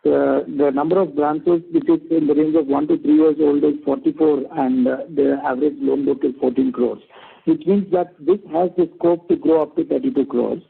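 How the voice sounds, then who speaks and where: Male Indian executive, slightly high yet gravelly, methodical explanatory delivery on a band-limited phone line. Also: steady tone, normal speed. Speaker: company executive answering investor questions. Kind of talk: explanatory earnings call answer. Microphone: conference phone call. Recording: muffled narrow phone line.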